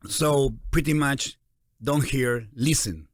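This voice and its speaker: A man in his forties with a Peruvian Spanish accent, hosting a casual interview in an animated, encouraging way. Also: medium pitch, slow pace, no room sound, clean studio sound. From Peru. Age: 40s. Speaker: interview host.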